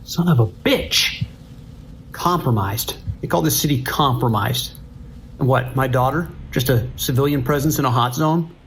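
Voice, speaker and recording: A man plays a stern long-haul trucker and worried father in a radio drama. His medium-pitched voice is firm, gruff and urgent. Faint noise runs behind him. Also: moderate pace, lightly acted. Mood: angry, desperate.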